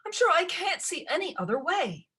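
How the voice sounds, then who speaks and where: A woman's voice: very high-pitched, big pitch swings, moderate pace, sharp tone, voice pushed up, heavily acted. A woman voicing a fretful middle-aged stepmother who babbles and pleads anxiously. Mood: pleading.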